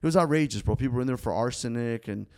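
A man's voice: medium pitch, very fast, a little mellow. Slangy South Florida man, rambling story. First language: Spanish. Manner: rambling, slangy, peppers speech with "bro" and "like". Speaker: podcast guest. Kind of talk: casual storytelling in a podcast conversation.

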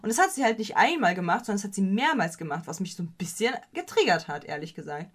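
A woman's voice: mid-range voice, very animated, fast, slightly rough. Chatty playful woman podcaster. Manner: chatty and playful, sprinkling in English slang; many fillers and self-corrections. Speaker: podcast host. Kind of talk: casual chat.

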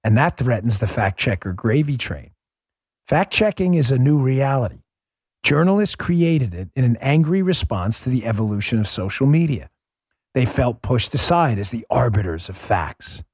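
A middle-aged man hosting a political talk podcast, speaking emphatically into a studio microphone, calling his listeners folks and dropping his voice low for emphasis. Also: big pitch swings, normal speed, breathy edge, dry recording. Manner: emphatic, swings loud and quiet for emphasis; addresses listeners directly as folks. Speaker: podcast host. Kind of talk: political talk show monologue.

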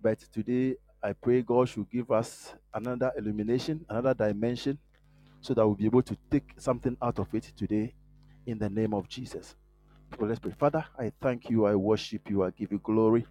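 A man preaching a sermon while hoarse from a cold, earnest and prayerful, growing more fervent as he prays. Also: fairly low pitch, steady tone, brisk, dark tone, dry recording, soft background music, poor audio. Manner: earnest, prayerful, rising in fervor. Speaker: guest preacher.

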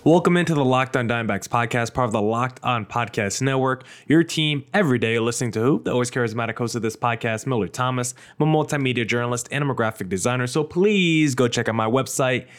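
A young man hosting a solo sports podcast, his voice a little hoarse. He talks with excitement, leaning on "like" and "I mean.". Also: medium pitch, fast talker, few pauses. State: slightly hoarse from screaming. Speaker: podcast host.

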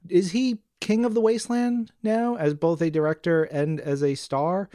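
A man's voice: high-pitched, fairly even intonation, moderate pace, mellow, no echo, clean studio sound. A man co-hosting a podcast, enthusiastic and playful as he announces promotions and banters. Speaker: podcast co-host.

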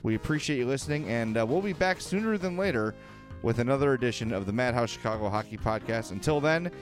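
A man's voice: medium pitch, animated, quick pace, soft background music. An American man hosting a sports podcast in a conversational style.

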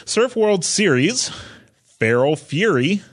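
A man's voice: sits high, sing-song, slow pace. A man chatting casually as a podcast panelist, informal and exclamatory, often rambling as he tells things. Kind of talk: casual chat.

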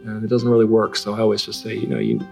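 Quick-paced and gravelly, this middle-aged Californian artist speaks in a lowish, slightly mellow voice with big swings in pitch. As a guest in a laid-back interview, he reflects on things with self-deprecation, often restarting and using fillers. Soft music plays underneath.

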